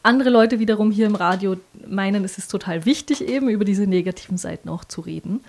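A woman hosts a live radio music hour from the studio, talking casually and loosely with her guests. Her voice is mellow and dark, and she fills her pauses with small hesitations. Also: medium pitch. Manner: chatty, many filler pauses. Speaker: radio host and coordinator.

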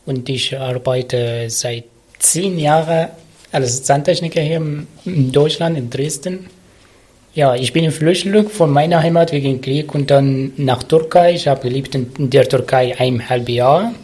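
A man from Iraq, a guest speaking German as a with simple, halting phrasing. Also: medium pitch, a little mellow, breathy edge. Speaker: podcast guest. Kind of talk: casual conversation.

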